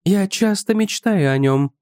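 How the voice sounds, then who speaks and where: A man's voice: high-pitched, animated, a little slow, a little mellow, dry recording, clean studio sound, pitched above the performer's own voice. A man voicing a dreamy, capricious young woman, a sacred courtesan, in an audiobook. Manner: wondering, capricious. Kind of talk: audiobook character voice.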